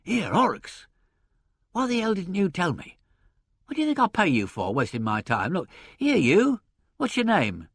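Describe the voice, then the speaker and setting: A man voicing a hectoring, stout theatrical agent in an audiobook, bellowing in an excitable, brusque way. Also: sits high, normal speed, slightly rough, no echo, voice pushed up, exaggerated voice. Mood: blustering, impatient.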